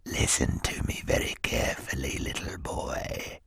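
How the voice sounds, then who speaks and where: A croaking, gravelly hook-handed henchman. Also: big pitch swings, a little slow, a bit bright, dry recording, full character voice. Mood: threatening whisper. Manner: low threatening whisper. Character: menacing hook-handed male henchman, cruel. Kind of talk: audiobook character voice.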